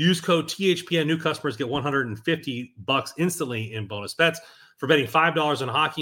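A man's bright, sharp voice at a moderate pace, with lively intonation. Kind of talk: casual podcast chat. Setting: live stream with chat.

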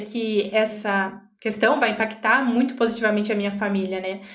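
A woman talks at a fairly quick pace with a fairly high pitch. Audible room echo surrounds her voice. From Brazil, Paraná coast (Paranaguá). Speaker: university student. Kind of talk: interview.

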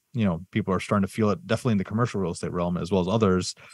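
A man with a normal speaking voice talks at a fairly low pitch with fairly even intonation, in a dry, close sound with no echo and a very clean recording over a silent background. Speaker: podcast host. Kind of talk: interview, casual professional.

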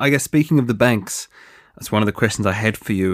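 A man with a New Zealand accent speaks at a fairly low pitch with ordinary pitch variation. The recording is very clean, with a silent background and a dry, close sound with no echo. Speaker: podcast host interviewing, investor. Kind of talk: interview.

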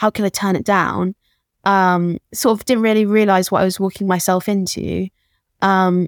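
A woman speaks with a London accent at a medium pitch and a moderate pace. Her intonation is fairly even, and the recording is very clean with a silent background. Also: dry, close sound with no echo. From London (Peckham). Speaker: amateur jockey. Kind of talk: interview conversation.

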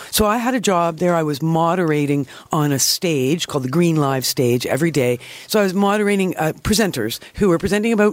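A man speaks in a Canadian accent at a fairly quick pace, his loudness very even. His pitch is high and his intonation lively. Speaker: radio gardening show host and expert. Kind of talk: radio call-in advice show. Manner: warm, chatty.

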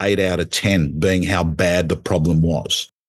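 A man speaks at a moderate pace with an Australian accent. The background is quiet. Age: 50s. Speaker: real estate auctioneer and coach. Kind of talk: interview conversation.

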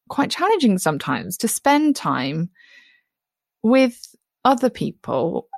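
A woman with a British accent at a moderate pace, her pitch swinging very widely, in a dry, close sound with no echo. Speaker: psychotherapist and author. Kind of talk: casual interview. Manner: excitable, animated.

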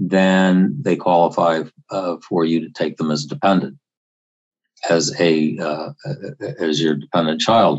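A man with an American accent talks at a very deep, low pitch with ordinary pitch variation. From Texas. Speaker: trust and tax attorney. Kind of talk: casual chat.

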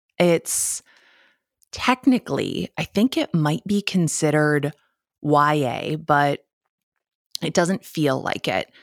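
This woman's very deep, low pitch moves with ordinary pitch variation at a very slow pace, captured in a very clean recording with a silent background. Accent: Midwestern US. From US Midwest. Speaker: podcast host and author. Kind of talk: casual monologue about books. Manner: chatty, rambling, humorous.

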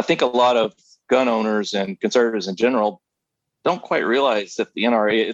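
Against a quiet background with a dry, close sound and no echo, a man with an American accent talks in a normal speaking voice at medium pitch, with ordinary pitch variation and a moderate pace. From US South. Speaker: political commentator. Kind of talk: casual chat.

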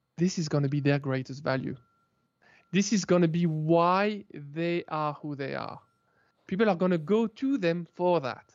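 A man with a French accent, fairly high pitch, ordinary pitch variation and a moderate pace. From France. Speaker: food YouTuber and engineer. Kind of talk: interview. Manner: halting.

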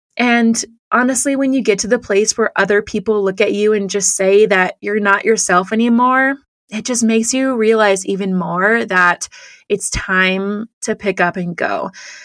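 Over a silent background on a very clean recording, a woman speaks at a moderate pace with fairly high pitch and fairly even intonation. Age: 30s. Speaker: podcast host and entrepreneur. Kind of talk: solo podcast monologue, scripted intro.

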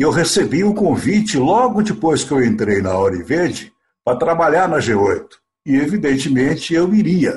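A man's fairly high voice with vocal fry and very wide pitch swings, very even loudness and a moderate pace. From interior of São Paulo state (Duartina). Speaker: radio and TV announcer, journalist. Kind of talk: casual interview. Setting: online call.

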